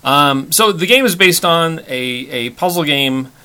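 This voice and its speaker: A man co-hosting a casual board game chat, halting with frequent restarts. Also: on the high side, lively intonation, sharp tone. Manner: halting, many restarts and fillers. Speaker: podcast co-host.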